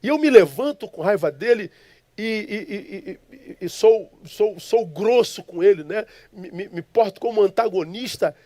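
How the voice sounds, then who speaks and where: Impassioned high-voiced preacher from Rio. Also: male voice, unhurried, warm tone, dry recording. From Brazil, Rio de Janeiro. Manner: dramatic, impassioned, stammers when moved. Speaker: pastor. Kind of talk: emotional sermon storytelling.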